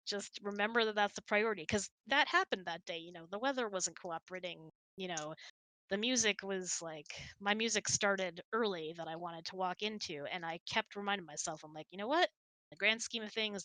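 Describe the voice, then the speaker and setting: A woman's voice: medium pitch, moderate pace, pushed and bright, dry recording, poor audio. A woman hosting a casual hangout, telling stories and answering questions in a chatty, rambling, giggly way. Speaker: host of an online hangout.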